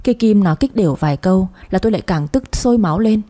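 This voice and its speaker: A woman narrating a first-person story in a steady, plain reading. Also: medium pitch, fast.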